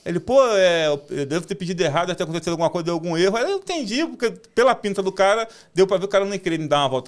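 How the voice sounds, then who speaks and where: Male, Rio accent, high voice, rapid delivery, tongue-tied slushy articulation, casual slangy storytelling. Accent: Rio de Janeiro Portuguese. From Rio de Janeiro, Brazil. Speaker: ride-hailing driver, guest.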